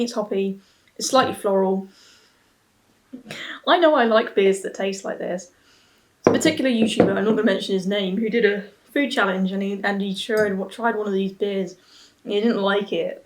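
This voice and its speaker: A young woman chats casually to camera as a reviewer, with a medium-pitched voice. She thinks aloud, hesitating and restarting mid-thought. She is recorded in a small room at home on a camera mic a short way off. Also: slight background noise. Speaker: beer and snack reviewer. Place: small plain room at home, seated at a table.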